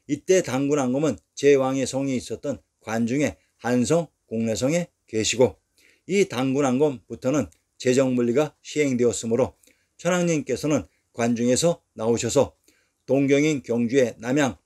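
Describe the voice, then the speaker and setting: A man reading a scripted history narration in an even, measured way, going through lists one by one. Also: medium pitch.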